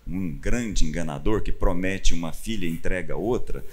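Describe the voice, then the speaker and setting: Low-voiced Brazilian man teaching scripture. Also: moderate pace. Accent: Brazilian Portuguese. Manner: animated storyteller, acts out quotes with sudden louder bursts. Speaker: pastor. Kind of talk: conversational Bible teaching.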